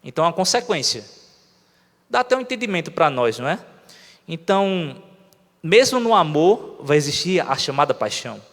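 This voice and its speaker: A man's voice: fairly high pitch, sing-song, normal speed, long pauses, a bit bright. A Brazilian man preaching a conversational sermon, often asking the congregation questions. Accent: Brazilian Portuguese. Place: church hall. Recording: long reverb of a church hall.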